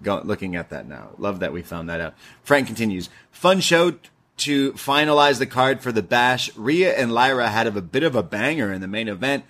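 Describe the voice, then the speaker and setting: A man's voice: medium pitch, lively intonation, normal speed, a bit bright. A man in his thirties co-hosting a podcast, casually reading listener messages aloud and laughing easily. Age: 30s. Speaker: podcast co-host.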